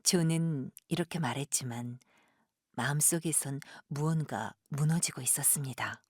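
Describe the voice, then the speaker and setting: A woman's voice: sits low, normal speed, husky, no room sound, studio quality. A woman narrating an audio drama from a script as a storyteller.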